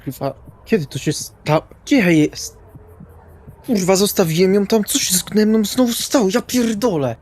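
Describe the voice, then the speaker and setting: A man's voice: sits high, lively intonation, moderate pace, darkish tone, soft background music, voice pushed up. A man playing an agitated, suspicious male vampire in a roleplay session, questioning others with exasperation. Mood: panicked. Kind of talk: improvised tabletop roleplay acting.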